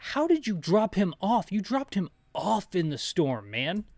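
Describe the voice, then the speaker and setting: A man with a slightly higher-pitched voice commentates on a video game in a casual, rambling way. He is sarcastic and nitpicky, and the sound is close and dry. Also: sing-song, unhurried, darkish tone, no room sound. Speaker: video game playthrough host and narrator. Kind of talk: casual gameplay commentary with rants.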